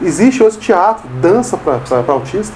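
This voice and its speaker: Over noticeable background noise, a man speaks with lively intonation at a moderate pace. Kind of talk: interview. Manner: halting.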